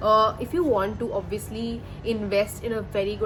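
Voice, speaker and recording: A woman is speaking. The recording has audible room echo and noticeable background noise. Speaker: beauty vlogger. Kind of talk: product review. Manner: fast; animated.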